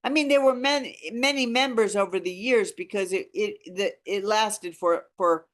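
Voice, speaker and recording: A woman's voice: mid-range voice, moderate pace. A woman in her sixties talking informally and earnestly to a discussion group, with emphatic phrasing. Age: 60s. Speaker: reading group leader.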